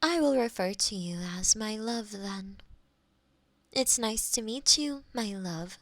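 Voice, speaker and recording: In this scripted ASMR roleplay, a woman voices an AI girlfriend who is courteous, literal and keen to please, sounding formal, measured and robotically helpful. Her voice is mid-range, animated and fairly bright, recorded close on a binaural mic with no echo.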